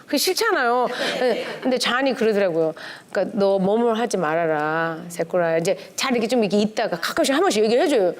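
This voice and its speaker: A middle-aged woman with a somewhat high voice teaches a church class in a relaxed, conversational way. She keeps things lively, slipping into different tones to act out bits of dialogue. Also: fast, few pauses. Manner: lively, acts out quoted dialogue with shifting tones. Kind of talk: conversational lecture on family relationships.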